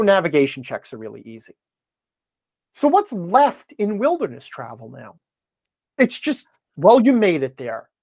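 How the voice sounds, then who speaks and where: A man's voice: sits high, darkish tone, dry recording. Emphatic man, dry close sound. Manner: emphatic, sarcastic asides. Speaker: podcast guest, tabletop gaming blogger. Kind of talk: opinionated conversational talk.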